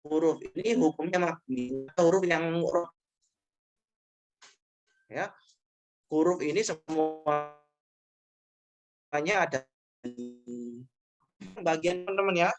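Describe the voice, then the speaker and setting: A man's voice: a little high, slow, pauses often, faint music behind. A man teaching grammar in an online class, explaining patiently and repeating each point with short checking tags.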